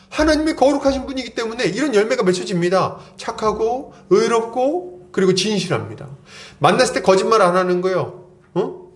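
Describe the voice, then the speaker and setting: A man preaching a sermon as pastor, asking the congregation questions and acting out imagined conversations in casual speech. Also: high voice. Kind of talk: expository sermon.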